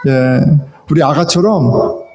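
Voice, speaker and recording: A man preaching a sermon as pastor, lively, acting out little dialogues and laughing now and then. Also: a little high, slow, faint music behind. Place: church sanctuary. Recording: echoey church hall.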